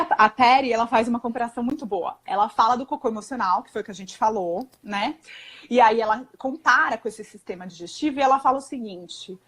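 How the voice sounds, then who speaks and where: A young woman with a Brazilian Portuguese accent, explaining parenting ideas in a casual chat and often checking in with tag questions. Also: fairly high pitch. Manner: chatty, peppered with tag questions and quick self-corrections. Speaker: parenting guest on a live stream.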